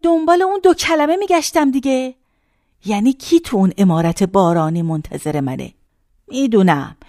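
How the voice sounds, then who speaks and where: A woman's voice: a little high, lively intonation, darkish tone, no room sound, clean studio sound. An actress playing a very old woman in a care home, who rambles folksily between memories and complaints. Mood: reminiscing. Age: older.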